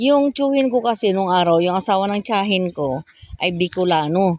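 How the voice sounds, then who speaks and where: A woman's unremarkable speaking voice at a medium pitch and moderate pace, with ordinary pitch variation. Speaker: vlogger. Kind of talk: casual vlog talk to camera while walking outdoors. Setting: outdoors.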